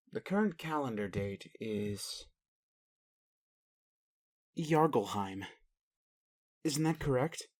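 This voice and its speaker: Male alien caretaker, acted by a man, slow pace, medium pitch, formal, halting, inquisitive, literal-minded, caring, puzzled, roleplay audio. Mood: confused, curious. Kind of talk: roleplay audio addressed to the listener.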